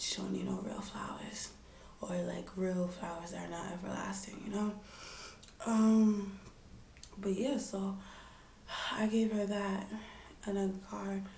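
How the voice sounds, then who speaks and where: Her intonation monotone and flat, a woman speaks with long, frequent pauses against audible room echo. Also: medium pitch for a woman. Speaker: beauty vlogger. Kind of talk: unboxing video. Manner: casual, rambling with many fillers.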